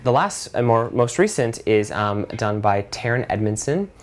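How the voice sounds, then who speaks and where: A man's voice: mid-range voice, expressive, moderate pace. A man in his thirties, a city program director, speaking earnestly in an office interview on a lapel mic, with frequent fillers and restarts. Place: office with window blinds.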